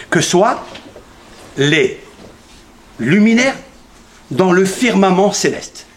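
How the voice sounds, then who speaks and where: A man giving a Torah lesson in a synagogue, firing questions at his listeners, answering them himself and repeating key numbers emphatically. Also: high-pitched. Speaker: rabbi teaching a Torah class. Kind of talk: lively Torah lesson to a congregation.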